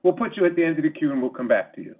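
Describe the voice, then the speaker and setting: A man's voice: fairly high pitch, racing. Phone-line man answering as an executive. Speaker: company executive. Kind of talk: earnings call answers. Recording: muffled phone-line conference call audio.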